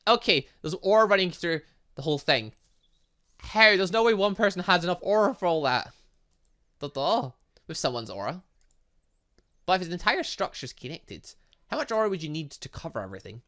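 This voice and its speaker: An animated man hosts a video game playthrough in a bright, forceful voice pitched a little high. His delivery swings widely up and down as he reads on-screen dialogue aloud and throws in playful asides. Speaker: gaming channel host. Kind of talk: let's play commentary, reading visual novel dialogue aloud.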